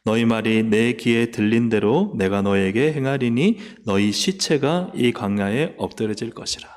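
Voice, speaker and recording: A man preaching a sermon as pastor. He acts out complaints in a raised voice and drops to soft, reverent tones. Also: medium pitch, normal speed. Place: church sanctuary. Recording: long church hall reverb.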